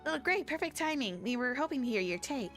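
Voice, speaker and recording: A woman's voice: high-pitched, animated, brisk, a bit bright. A woman voicing small, earnest, sweet-loving girls in a cooking game with an eager, cutesy manner. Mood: bright, earnest. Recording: music behind the voice.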